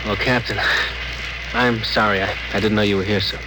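An actor playing an earnest, soft-hearted spaceship officer who speaks with deference in a 1950s radio drama. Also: male voice, on the low side, fairly even intonation, normal speed, lightly acted. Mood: deferential. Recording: hissy old radio broadcast.

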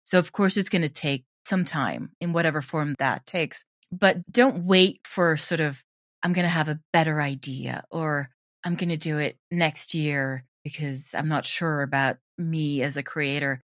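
A woman's voice: low voice, steady tone, a little slow, no echo, studio quality. A woman talking casually as an interview guest about her creative work, animatedly voicing imagined quotes as she goes.

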